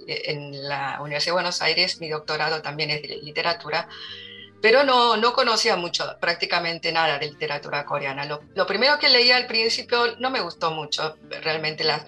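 At a public talk, a literary translator answers interview questions; she's a middle-aged woman with an Argentine Spanish accent. Her fairly low voice sounds pushed and bright, and her replies are hesitant, full of fillers and restarts.

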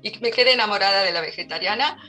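A woman's voice: medium pitch, fast, bright, forceful tone, soft background music. A middle-aged woman with an Argentine Spanish accent, answering interview questions as a literary translator, hesitant with many fillers and restarts. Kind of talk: interview answers at a public talk.

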